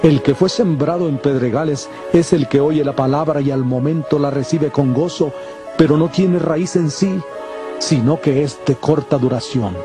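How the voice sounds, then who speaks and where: An actor playing a calm, solemn male teacher of parables in a dramatized scripture audio, speaking in a measured, deliberate way. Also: fairly high pitch, natural voice. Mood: solemn teaching. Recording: constant prominent music under the voice. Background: music.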